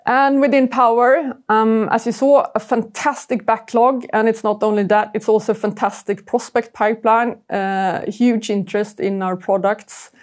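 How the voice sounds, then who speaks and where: A woman's voice: fairly high pitch, steady tone, moderate pace, hardly any pauses. A woman giving a corporate earnings presentation as chief executive, searching for words as she goes.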